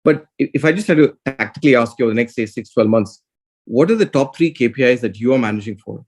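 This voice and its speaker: A man's voice: mid-range voice, fast, a little mellow. A man speaking as a financial analyst, putting polite, probing questions on an earnings call.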